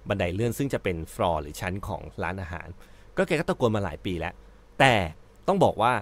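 Low-voiced man chatting through an article. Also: sing-song, fast talker. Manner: chatty, with frequent fillers and self-corrections. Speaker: host. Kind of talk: casual commentary on a read-out article.

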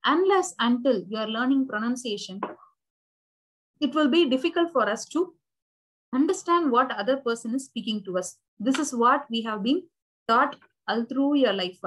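A young Indian woman with a Tamil first language gives a recorded lecture from a small room into a laptop mic. Her voice sits fairly high, and she explains step by step, repeating and rephrasing with frequent "uh"s. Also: expressive, moderate pace, poor audio. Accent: Indian English. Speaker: university English lecturer.

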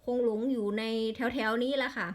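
A woman's voice: fairly high pitch, fairly even intonation, brisk. A woman with an Isan accent in a casual vlog, rattling off lottery number strings and breaking into exasperated grumbles.

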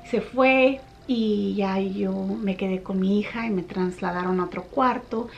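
A young woman vlogger casually telling a personal story to her viewers, animated when she retells what people said. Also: mid-range voice, unhurried, vocal fry, muffled recording, a little hiss or hum.

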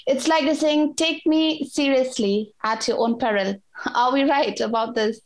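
Woman radio host, high voice, upbeat intros, video call. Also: a little slow, poor audio. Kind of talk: hosting an interview.

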